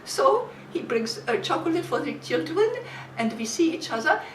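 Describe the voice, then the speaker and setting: A high-pitched widow, acted by a woman, tells her story in broken, halting English and keeps repeating herself while she searches for words. The voice sits back from the mic in a roomy, echoing space with a faint hiss underneath. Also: very animated. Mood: agitated. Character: German war widow, emotional, broken English. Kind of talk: dramatic monologue. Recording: echoey room, distant mic, faint hiss.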